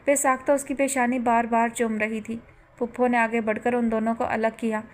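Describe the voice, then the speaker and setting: A woman reading a romance novel aloud as an audiobook narrator, steady and even. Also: fairly high pitch, normal speed.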